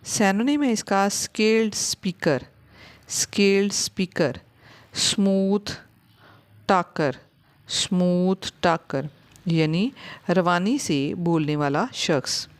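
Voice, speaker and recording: A woman teaching English vocabulary, repeating each word slowly for learners. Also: fairly low pitch. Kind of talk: vocabulary lesson.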